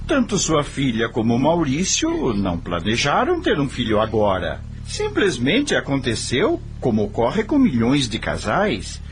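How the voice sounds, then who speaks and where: An actor playing a serene, devout businessman and grandfather-to-be in a radio soap opera, speaking in a measured, persuasive, preachy way. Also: mid-range voice, wildly swooping pitch, slight background noise. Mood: reassuring, earnest.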